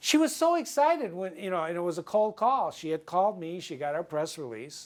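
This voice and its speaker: This man has a Chicago accent and a high pitch. His tone is animated, with very wide pitch swings. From Chicago, US Midwest. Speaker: business communications presenter. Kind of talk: lecture.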